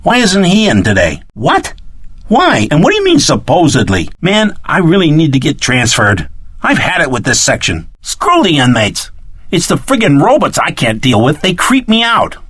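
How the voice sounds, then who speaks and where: An uneasy, complaining guard in a video game. His mid-range voice is rough and extremely animated, recorded close and dry. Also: a little high, moderate pace, dry recording, full character voice. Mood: fed up, uneasy. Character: whiny, uneasy, fed-up facility guard. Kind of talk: video game character dialogue.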